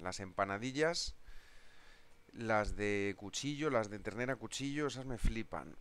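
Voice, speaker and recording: A man's voice: mid-range voice, a bit bright. A man with a Spanish accent from Spain, hosting a live trading stream in a jokey, chatty way, answering viewer comments and laughing often. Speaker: trading webinar host.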